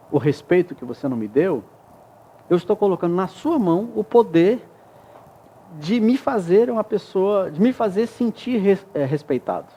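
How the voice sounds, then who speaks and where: Man, earnest explainer, mellow tone. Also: high voice, breathy edge, dull audio. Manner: reflective, explains with examples and frequent tag questions. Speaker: guest expert. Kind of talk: explanatory interview talk. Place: TV studio.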